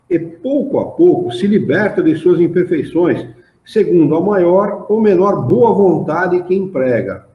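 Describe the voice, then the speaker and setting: A man with a Brazilian Portuguese accent leading an informal study group in an association's hall, chatting animatedly and reading passages aloud. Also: on the high side. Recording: dull echoey room recording.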